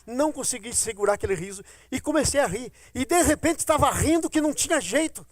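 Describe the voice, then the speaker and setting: A middle-aged pastor preaches a testimony with a notably high voice. He tells his story in a lively way, acting out his own remarks, and the sound is close and dry with no room echo. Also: fast. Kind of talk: testimony sermon.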